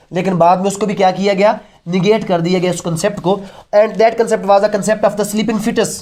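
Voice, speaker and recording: A man's voice: high-pitched, a little mellow. A man with a Pakistani accent lecturing as a law teacher, explaining step by step and often answering his own questions. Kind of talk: lecture mixing Urdu and English.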